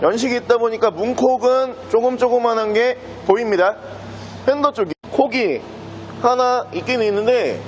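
A man giving a chatty used car salesman's pitch, casually presenting a car and pointing out details as he goes. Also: a little hiss or hum.

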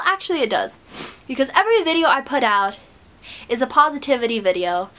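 A woman's voice: high voice, fairly bright tone. Bubbly young woman, stuffy nose. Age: young adult. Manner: bubbly, upbeat, encouraging, rambling. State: sweaty after a run. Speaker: vlogger. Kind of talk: casual motivational chat to camera. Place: small bedroom, indoors. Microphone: webcam close up.

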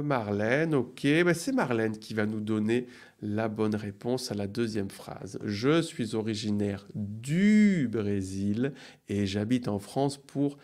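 A middle-aged man leads a live online grammar lesson from a small room at his desk webcam. He speaks in an unhurried, deliberate way, stretching out each example sentence. His pitch sits in a plain middle range, and he keeps up bright, encouraging praise. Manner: slow, deliberate, drawn-out delivery of example sentences; upbeat praise, playful sound effects. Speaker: French teacher.

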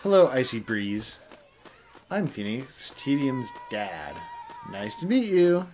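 A man voicing a kindly, polite father pony in an amateur cartoon, gentle and fatherly, on a noisy recording. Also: mid-range voice, big pitch swings, slow. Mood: friendly.

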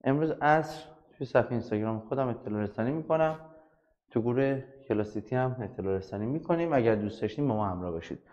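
Soft-spoken guy teaching physics online, chatty with his students. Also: medium pitch, lively intonation, lo-fi sound. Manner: chatty, addresses students directly. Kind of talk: online class lecture.

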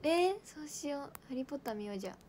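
Young woman idol livestream host, high bright voice, giggly and chatty, faint hiss behind. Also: expressive, racing. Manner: bubbly, giggly, reads viewer comments aloud. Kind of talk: casual livestream chat.

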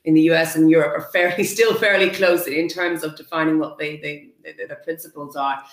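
A woman's voice: low voice, fairly even intonation, a little fast. A young woman, a tech reporter, asking probing questions on a video call in a conversational way. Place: home room. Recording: roomy video-call audio.

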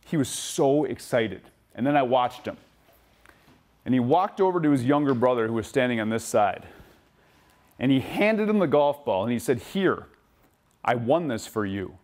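A man's voice: mid-range voice, normal speed. A man giving an upbeat motivational talk to kids at a safety camp, telling stories and acting out children's voices. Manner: animated storytelling, acts out kids' voices. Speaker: camp speaker. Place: outdoor camp event.

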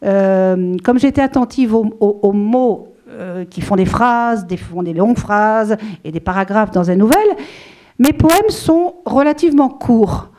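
Expressive and warm, the mid-range voice of a middle-aged French woman moves at a measured pace as she casually discusses her writing at a book event. She holds a handheld mic, addresses a seated audience in a small room, and rambles with many fillers and restarts.

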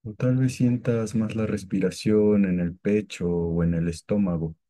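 A man guiding a meditation with calm, gentle, scripted instructions and long pauses between phrases. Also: fairly low pitch. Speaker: meditation guide.

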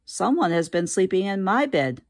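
A woman's voice: mid-range voice, big pitch swings, moderate pace, dry recording, clean studio sound. A woman voicing a mama bear who growls and huffs, reading a storybook aloud. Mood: huffy. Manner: growling, huffing.

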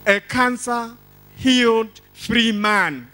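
A man's voice: very high-pitched, very slow, noisy background. An older man with a Kenyan accent gives a church testimony in an exuberant, declamatory manner, repeating phrases for emphasis into a handheld microphone. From Embu County, Kenya. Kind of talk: church testimony, preaching to a congregation. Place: large church hall stage.

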